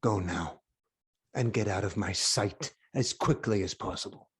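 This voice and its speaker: A man's voice: lowish voice, a little slow, a bit bright. An actor playing a proud, commanding king in a Greek tragedy reading, speaking with stern, declamatory authority. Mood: defiant. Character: proud, commanding king defending suppliants of his city. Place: online video-call reading.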